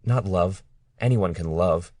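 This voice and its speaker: A man's voice: low-pitched, slow pace, darkish tone, no room sound, studio quality. A man voicing a defiant, frightened young captive woman in an audiobook, speaking in an earnest, pleading way. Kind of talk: audiobook character reading.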